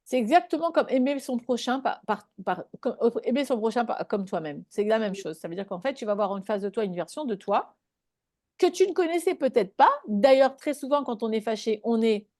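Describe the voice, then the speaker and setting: Woman teaching in a higher, dry voice. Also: expressive, fairly quick, no echo. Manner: warm conversational teaching, checks in with listeners. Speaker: spiritual talk host. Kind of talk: live online group talk.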